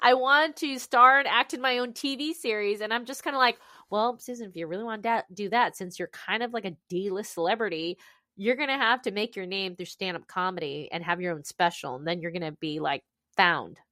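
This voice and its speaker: A woman's bright, sharp, animated voice at a fairly quick pace, with very wide pitch swings, in a very clean, dry, close recording with no echo and a silent background. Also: medium pitch for a woman. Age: 40s. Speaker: author and comedian. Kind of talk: interview.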